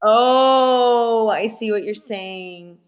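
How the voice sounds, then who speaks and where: A woman's voice: a little high, very slow. Laid-back slangy woman chatting. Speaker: comedy performer. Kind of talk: casual video chat.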